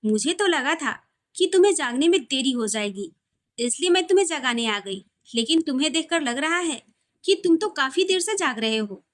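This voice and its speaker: Woman voicing a high-pitched, friendly sister-in-law. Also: lively intonation, moderate pace. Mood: friendly, chiding.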